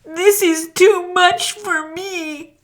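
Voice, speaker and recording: Woman as a high-pitched, earnest little elephant child. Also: fairly even intonation, very slow, full character voice. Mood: pained, nasal. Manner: earnest, breathless, very polite. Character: polite, naive, insatiably curious young elephant child.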